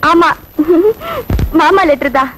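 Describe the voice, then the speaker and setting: A woman's voice: sits high, takes it slowly, a little hiss or hum, low-quality recording. A young actress playing an emotional, tearfully happy young woman in a family film. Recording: film soundtrack under loud music.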